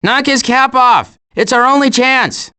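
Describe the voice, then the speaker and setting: A man voicing a fretful, long-suffering turtle in an animated video game. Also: very high-pitched, a little slow, smooth, exaggerated voice. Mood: agitated. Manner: fretful, exasperated, hesitant.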